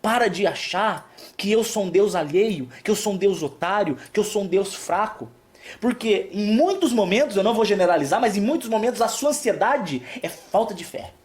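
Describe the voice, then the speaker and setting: A man preaching as a pastor on a live stream, soft and calming with hushed stretches and emphatic points. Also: high-pitched, normal speed.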